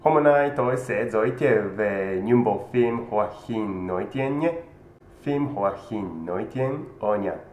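A man's voice: on the low side, animated, a little mellow. A man in his thirties, a native Japanese speaker with a Japanese accent, presenting scripted phrases with careful enunciation. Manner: careful, deliberate enunciation of a learned language. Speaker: presenter of a language channel. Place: indoor room with green screen. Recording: roomy, slightly dull, faint noise.

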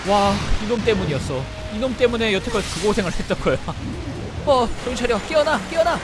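A man giving excited, shouting commentary while playing a video game and talking to the creature on screen. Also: high-pitched, brisk, background noise. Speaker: game streamer.

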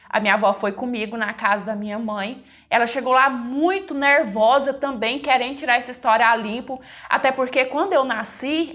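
A woman's voice: a little high, a bit bright. A woman telling a dramatic first-person story in an emotional, conversational way, speaking to her listeners directly.

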